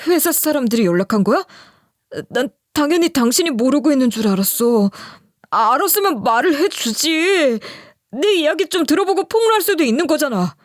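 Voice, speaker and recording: A woman's voice: on the high side, lively intonation, fairly quick, darkish tone, no room sound, studio quality. A woman voicing a cheating middle-aged husband who stammers and begs his wife. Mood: stammering. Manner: stammering, begging.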